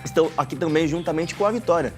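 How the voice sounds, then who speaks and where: Brief: male pastor host, slightly high voice, eager and exclamatory, faint music behind. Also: fast talker. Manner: enthusiastic, exclaims and laughs often. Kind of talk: upbeat church TV talk show hosting.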